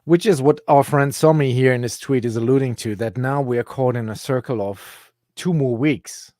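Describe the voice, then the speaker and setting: A man's voice: mid-range voice, moderate pace, dark tone, dry recording, clean studio sound. A man hosting a casual crypto podcast, chatty and laughing often. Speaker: host.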